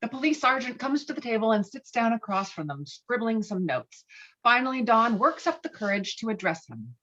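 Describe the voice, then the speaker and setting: A woman's voice: a little high, sing-song, moderate pace, fairly bright tone. Muffled woman narrator reading a script. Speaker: narrator reading stage directions.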